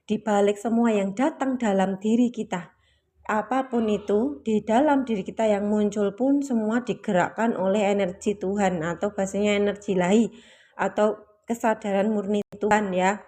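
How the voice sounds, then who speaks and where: A woman's voice: mid-range voice, steady tone, moderate pace, dark tone. A woman giving a reflective spiritual talk to her listeners, patient and explanatory, often repeating her key points. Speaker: spiritual teacher.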